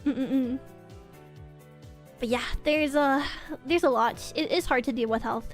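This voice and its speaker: Young woman streamer, high voice, casual rambling chat, soft music underneath. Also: takes it slowly. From Norway. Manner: rambling, restarts and repeats words.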